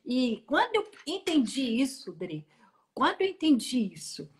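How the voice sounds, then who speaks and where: Middle-aged woman, slightly high voice, animated testimony storyteller over a phone mic. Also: unhurried. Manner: animated, acts out dialogue and sounds. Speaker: guest sharing a testimony. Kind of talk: emotional testimony storytelling on a live stream. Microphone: phone on an online live stream.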